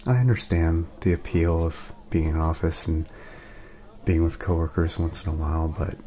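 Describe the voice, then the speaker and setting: A man speaking softly in a casual ASMR roleplay, laid-back and friendly, chatting as if to a friend. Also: low voice, steady tone, moderate pace. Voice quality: soft, breathy at times, creaky.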